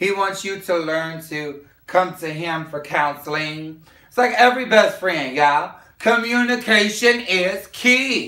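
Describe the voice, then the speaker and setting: Big swings in loudness come through with audible room echo against a quiet background. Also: woman, fairly slow pace. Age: 30s. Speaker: vlogger and minister; vlogger, minister. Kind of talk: casual vlog monologue. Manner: animated.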